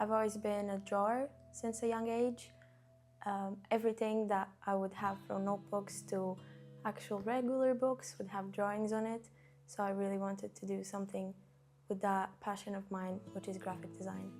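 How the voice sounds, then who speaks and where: The voice keeps a fairly even intonation while music plays in the background. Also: woman, medium pitch for a woman, moderate pace. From Portugal. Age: 20s. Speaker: graphic design student. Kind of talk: interview.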